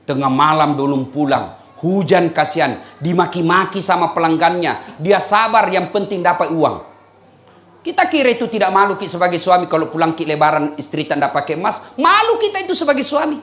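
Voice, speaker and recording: A man's voice: a little high, normal speed. A man preaching a humorous sermon, telling stories with laughs and teasing the women in the audience. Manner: lively storytelling with laughs and teasing asides to the women. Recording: echoey room sound.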